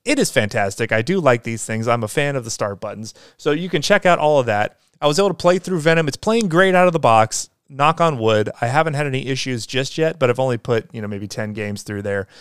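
This is a man with a smooth, resonant voice hosting a podcast on his own. He rambles cheerfully, full of fillers and restarts, in a mild manner. The sound is dry and close, with no room around it. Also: medium pitch, animated, a little fast, hardly any pauses, no room sound. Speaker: podcast host. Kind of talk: casual solo podcast chat.

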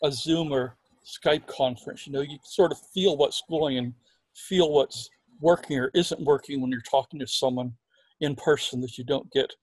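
A man hosting a podcast interview, asking questions in a measured, conversational way. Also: medium pitch, darkish tone, slightly rough, no echo, poor audio. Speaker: podcast host.

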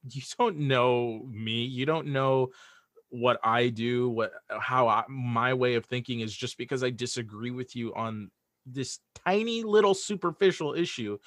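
A man's voice: medium pitch, fairly bright tone, no echo, clean studio sound. A man speaking as a podcast guest in casual, opinionated conversation, earnest and emphatic, often repeating his points. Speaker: podcast guest, audio drama creator.

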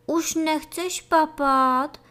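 A woman voicing doting female worker bees in a children's storybook, speaking in high, cooing, sing-song baby talk. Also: fairly even intonation, bright, forceful tone.

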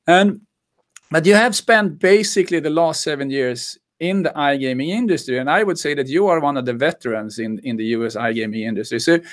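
A man hosting a podcast interview, speaking eagerly and often restarting his phrases. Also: a little high. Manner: enthusiastic, stumbling restarts. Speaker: podcast host.

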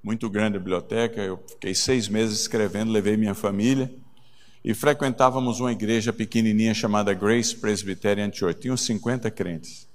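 A man's voice: fairly low pitch, fairly even intonation, moderate pace. A man preaching a sermon, telling a story and growing emotional, his voice rising when he is moved. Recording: long hall reverb.

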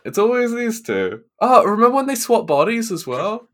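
A man co-hosting a casual podcast chat, blunt and sweary, quick to laugh. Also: high voice, big pitch swings. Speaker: podcast co-host.

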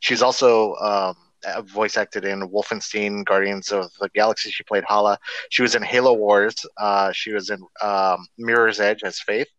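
A man's voice: on the low side, fairly even intonation, moderate pace, fairly bright tone, no echo. A man co-hosting a casual podcast, breaking in briefly to share facts. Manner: brief, fact-sharing interjections. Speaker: podcast co-host. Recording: dull lo-fi sound.

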